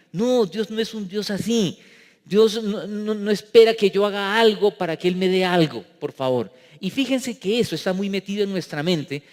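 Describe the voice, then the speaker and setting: A man's voice: high voice, a little mellow. A man. He keeps a light, humorous tone and often asks the congregation rhetorical questions. His voice echoes with the long reverb of a church hall. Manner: humorous, mimics people in funny voices. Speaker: pastor. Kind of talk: sermon. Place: church sanctuary.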